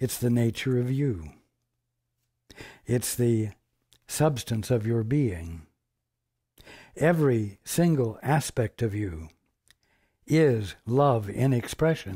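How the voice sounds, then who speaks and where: Against a quiet background, a man with a somewhat breathy voice and dark, mellow tone speaks at a very slow pace with long, frequent pauses, the sound dry with no echo. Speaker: study group teacher. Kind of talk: spiritual teaching talk.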